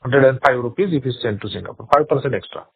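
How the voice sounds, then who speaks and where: A man with an Indian accent speaking as a company executive, answering investor questions in a halting, repetitive way over a phone conference call. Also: mid-range voice, creaky, breathy edge, no echo. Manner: halting, repeats words and phrases. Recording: narrow, tinny phone-line sound.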